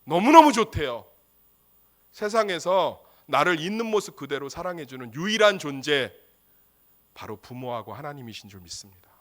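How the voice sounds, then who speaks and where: A man's voice: a little high, expressive, moderate pace, pushed and bright. A male pastor preaching a sermon, emphatic and humorous, full of rhetorical questions.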